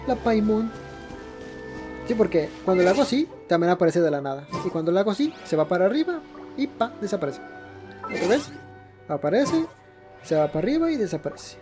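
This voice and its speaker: A man's voice: high-pitched, big pitch swings, fast talker, pauses often. A man giving casual commentary as the host of a gaming video. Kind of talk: casual let's play commentary. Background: game music.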